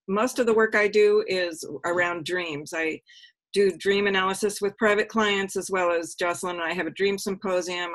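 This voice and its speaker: A woman psychologist introducing herself on a video call, speaking hesitantly with pauses and restarts. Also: mid-range voice, a bit bright. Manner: hesitant, many fillers and restarts. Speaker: guest co-host, depth psychologist.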